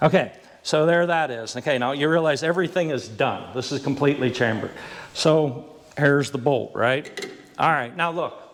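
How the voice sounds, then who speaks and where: A man speaks in a fairly high pitch against noticeable background noise. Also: ordinary pitch variation. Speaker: gunsmith. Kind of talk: tutorial. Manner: fast.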